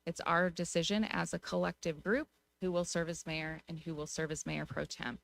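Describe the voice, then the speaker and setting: An American woman speaking as a city council member at a public meeting, giving her view in a measured, informal way. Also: lowish voice, flat delivery, creaky. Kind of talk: deliberative public meeting remarks.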